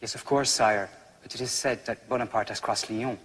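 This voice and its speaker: Hesitant architect acted by a man, husky voice, long echo. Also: medium pitch, fairly even intonation, normal speed, lightly acted. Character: doubtful male palace architect.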